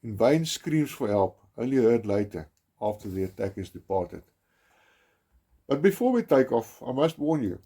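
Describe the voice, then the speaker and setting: Solemn South African man narrating, husky. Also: medium pitch, very animated, dark tone. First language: Afrikaans. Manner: grave, measured, with emphatic stresses and some restarts. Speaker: documentary narrator.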